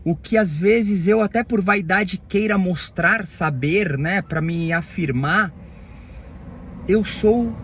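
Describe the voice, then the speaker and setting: Speaking with a husky voice that sits high, this Brazilian-accented male therapist reflects on personal matters in a monologue. He talks in halting, phrase-by-phrase bursts and leans frequently on tag questions.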